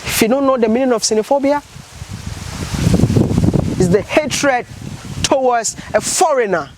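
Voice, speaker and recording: A man's voice: very high voice, a little slow, background noise. A man vlogging with earnest, impassioned commentary, asking repeated rhetorical questions.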